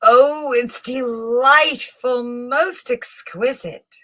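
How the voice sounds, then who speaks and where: A woman reading a storybook as a flustered old male chamberlain, anxious to please, exclaiming and gushing in drawn-out words. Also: fairly high pitch, fairly even intonation, a bit bright, pitched above the performer's own voice, full character voice.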